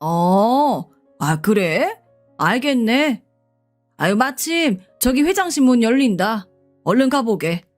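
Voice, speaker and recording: A woman voicing a blunt older male security guard who scolds roughly, over faint background music. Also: fairly high pitch, very animated, takes it slowly. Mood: dry. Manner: gruff, scolding speech.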